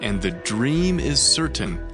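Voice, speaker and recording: A man's voice: mid-range voice, very animated, slow, vocal fry, full character voice. An actor playing a solemn, fervent prophet who addresses a king in archaic English, in a reverent, emphatic declamation for a dramatized scripture. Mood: solemn, proclaiming. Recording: music behind the voice. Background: background music.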